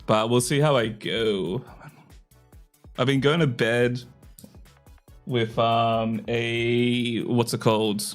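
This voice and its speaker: Slightly hoarse young man streaming. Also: medium pitch, steady tone, takes it slowly, long pauses, soft background music. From Australia. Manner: rambling and self-deprecating, full of fillers. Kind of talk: casual live-stream chat.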